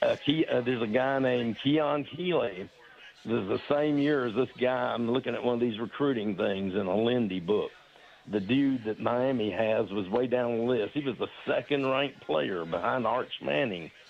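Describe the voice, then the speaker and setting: Medium-pitched male voice at a moderate pace with ordinary pitch variation over noticeable background noise. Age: 70s. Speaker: radio caller. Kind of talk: phone-in call. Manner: halting, many fillers.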